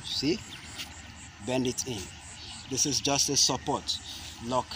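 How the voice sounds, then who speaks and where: Slow-spoken young man teaching outdoors. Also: medium pitch, steady tone. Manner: slow, deliberate explanations with sharp shouted strike cries. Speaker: self-defense instructor. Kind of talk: demonstrating self-defense moves. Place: outdoor concrete court. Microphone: camera mic at a distance. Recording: outdoor noise from a camera mic.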